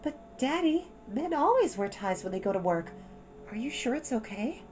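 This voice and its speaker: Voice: mid-range voice, big pitch swings, normal speed, a little mellow, soft background music, pitched above the performer's own voice, lightly acted. A storyteller voicing an earnest, responsible older-sister girl in a children's story. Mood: doubtful, concerned.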